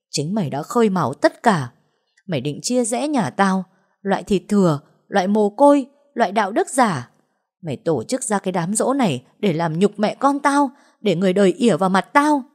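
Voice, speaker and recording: A woman voicing a furious pregnant young woman who screams hateful accusations. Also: a little mellow. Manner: shrill screaming rant.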